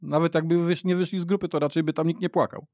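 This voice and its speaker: A man's voice: on the high side, steady tone, fast, darkish tone, dry recording, clean studio sound. A middle-aged man reminiscing in a casual football discussion, rambling and repeating himself as he tells the story. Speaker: football podcast guest. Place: radio studio.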